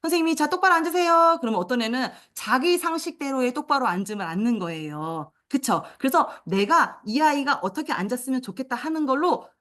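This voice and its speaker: A woman training teachers in a lecture, animated, acting out classroom commands in a high sing-song voice. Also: fairly quick, hardly any pauses.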